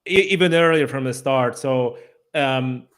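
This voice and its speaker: A man's voice: medium pitch, unhurried, fairly bright tone. A man from Poland, speaking English with a Polish accent as a guest in a casual interview, talking easily with frequent fillers and restarts. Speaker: podcast guest.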